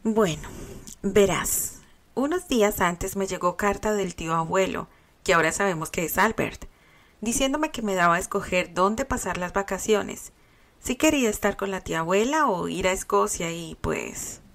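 A woman's voice: mid-range voice, animated, normal speed, lightly acted. Candy: bashful sweet young girl, read by a woman, storybook reading. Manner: earnest, shy.

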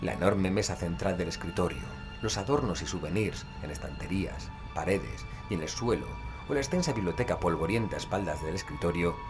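Low-voiced horror investigator. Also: male voice, animated, fairly quick, few pauses, music in the background. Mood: grave, ominous. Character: male investigator narrating a horror tale, skeptical. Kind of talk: dramatic audio-fiction narration and dialogue.

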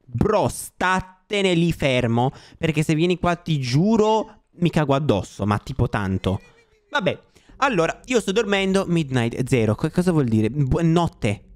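A man doing let's play commentary on a horror game, jumpy and slangy, shouting when scared. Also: on the high side, big pitch swings, unhurried, no echo. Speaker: gaming YouTuber.

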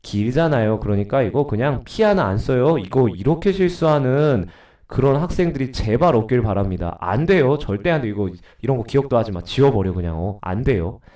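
A man's voice: medium pitch, expressive, brisk, dark tone, far from the mic. Man with a cold teaching English grammar. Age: middle-aged. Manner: chatty, asks and answers his own questions. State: sick with a cold, stuffy nose. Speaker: middle school English teacher. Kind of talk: recorded grammar lecture.

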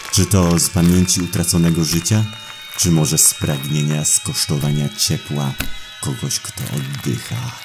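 Male horror audiobook narrator, extremely low register, slow dramatic delivery over music.

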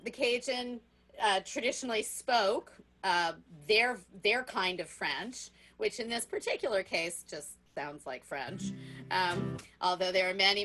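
A middle-aged woman leading a teacher workshop over a video call, chatty and unhurried, often laughing and asking okay. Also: medium pitch, bright, forceful tone, poor audio. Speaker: music workshop leader for teachers.

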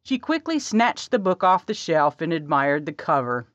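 A woman narrating a romance audiobook in a measured, even storytelling manner. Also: low-pitched, no echo, muffled recording. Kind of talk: scripted narration.

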